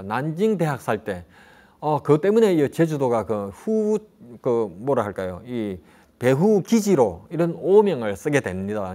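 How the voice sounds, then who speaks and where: A middle-aged man guides viewers through local history in a relaxed, conversational way. He rambles, restarts his sentences and poses rhetorical questions. His voice sits at an ordinary middle pitch. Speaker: travel guide presenter. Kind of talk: conversational travel talk on history.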